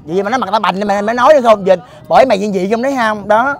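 A man's voice: high-pitched, rapid-fire. A man, joking and teasing his friends in playful, campy banter outdoors at a park. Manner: campy, playful, echoes others' jokes. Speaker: comedian in a group.

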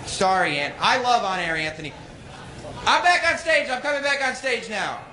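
A man working as a warm-up host on stage, bantering casually and teasing the people around him. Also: high-pitched, lively intonation, moderate pace. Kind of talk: live crowd hosting, casual banter. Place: stage at a live event. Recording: live venue with crowd noise. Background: audience noise.

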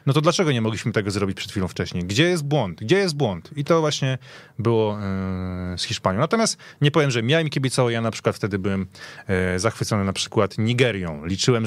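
A man's voice: fairly low pitch, dry recording. A man giving casual, analytical football commentary as a guest in a radio studio.

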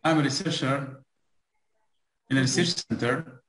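A man in his thirties from Algeria, a researcher, introducing himself in a measured, formal way. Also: medium pitch, fairly bright tone, reverberant, low-quality recording. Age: 30s. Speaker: researcher, student.

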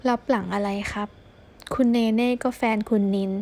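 A sulky, anxious young man from a storybook romance speaks up in a raised, insistent voice, as a woman reader puts him on. His tone stays mellow and soft-edged even as he protests. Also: a little high, moderate pace, lightly acted.

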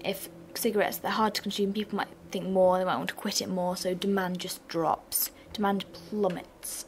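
Slightly raspy young woman, bored-sounding lesson. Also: medium pitch, normal speed, slight background noise. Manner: flat, bored-sounding delivery with asides. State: slightly raspy from sore throat. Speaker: revision channel host. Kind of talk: casual revision lesson voice-over.

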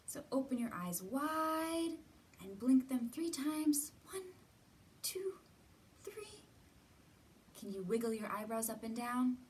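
A woman in her thirties gently guiding young children through a lesson, asking simple encouraging questions and pausing often. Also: high voice, big pitch swings. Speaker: children's storytime host. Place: indoor library room with bookshelves. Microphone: camera a few feet away. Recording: distant mic, roomy ambient noise.

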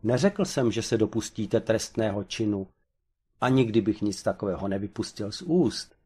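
Man doing a smug occult scholar, dry lecturing tone, husky low voice, audiobook. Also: expressive, warm tone. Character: pedantic self-assured male expert on the supernatural. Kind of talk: audiobook character voice.

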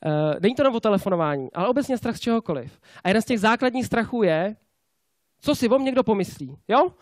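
High-voiced man giving a sales talk. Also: dry recording, studio quality. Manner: lively, keeps asking the audience rhetorical questions with tag questions. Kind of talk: motivational conference talk. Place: conference stage before a live audience.

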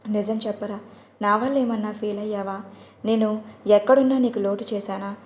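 A woman voicing a caring young older brother who speaks gently and reassuringly, in a roomy recording. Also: medium pitch, fairly even intonation, normal speed, close to an everyday voice. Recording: roomy echo.

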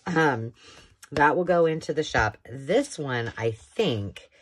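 A craft channel host, seated at an indoor craft table, presents thrifted books in a casual, rambling show-and-tell with enthusiastic asides. Her voice is deep and husky yet animated, and she takes it slowly.

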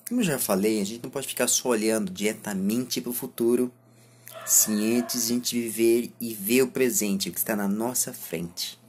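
A man in his twenties with a Brazilian accent and a husky voice, speaking a reflective monologue to camera as a vlogger, halting between short phrases. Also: lowish voice, fairly even intonation, darkish tone, slight background noise. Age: 20s. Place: small indoor room lined with bookshelves. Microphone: phone or camera at arm's length.

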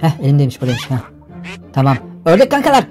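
A young man giving energetic, exclamatory gameplay commentary for a video. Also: on the high side, rapid-fire, soft background music. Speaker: gaming YouTuber. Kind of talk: excited game commentary.

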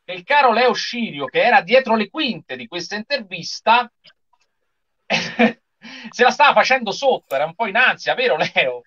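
A man's voice: sits high, big pitch swings, moderate pace, sharp tone. A man, chattily hosting a casual livestream with enthusiasm. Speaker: live show host. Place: small indoor room with shelves of figurines. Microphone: video call. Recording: dull lo-fi video-call audio.

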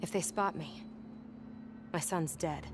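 Sly, low-pitched Black Cat. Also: female voice, slow pace, very noisy. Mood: businesslike. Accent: American. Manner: teasing, sly. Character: flirty, cool, self-assured female cat burglar. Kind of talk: video game voice acting. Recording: music behind the voice.

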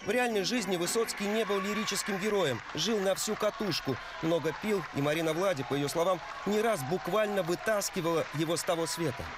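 A man narrating a scripted news report in a measured, solemn voice-over. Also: high voice, a crowd in the background, background noise. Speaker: news correspondent. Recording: voice-over with music bed.

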